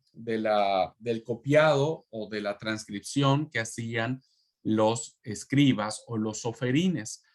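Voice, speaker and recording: A man teaching a Bible history class, speaking slowly and haltingly, repeating words and addressing students as brothers. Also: medium pitch. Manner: slow, halting, repeats words and asks rhetorical "¿no?"; calls listeners "hermanos". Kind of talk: online class lecture.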